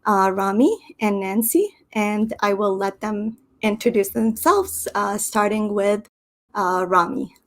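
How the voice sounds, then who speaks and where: A woman hosting her channel, talking casually and haltingly with many ums and uhs. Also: medium pitch. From Canada. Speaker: channel host. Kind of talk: casual explanatory talk. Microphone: stream setup.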